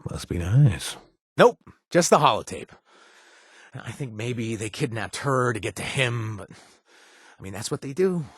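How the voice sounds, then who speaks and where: A man playing a flirtatious, wry ex-raider ally in a video game, with a husky voice and a hesitant, teasing delivery. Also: mid-range voice, very animated, measured pace, long pauses, dry recording, studio quality. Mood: uneasy, earnest. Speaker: video game companion character.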